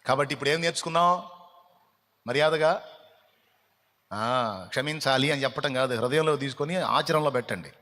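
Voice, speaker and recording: A man's voice: mid-range voice, normal speed, pauses often. Male pastor, mid-range voice, fervent scolding sermon delivery; long hall reverb on the recording. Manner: dramatic and scolding, with rhetorical questions and sudden loud peaks. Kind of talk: fasting prayer sermon. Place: church hall.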